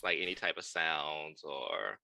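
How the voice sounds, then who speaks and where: A man's voice: very deep voice, expressive, measured pace, vocal fry, sharp tone. A man chatting casually as a player in a tabletop role-playing game.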